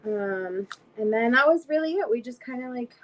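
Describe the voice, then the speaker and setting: Casting: twenty-something woman, livestream host, slightly high voice, lost voice, rambling and chatty, faint hiss behind. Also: expressive, moderate pace, low-quality recording. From South Florida. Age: 20s. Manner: chatty, rambling with many fillers. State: lost her voice. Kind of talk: casual livestream chat.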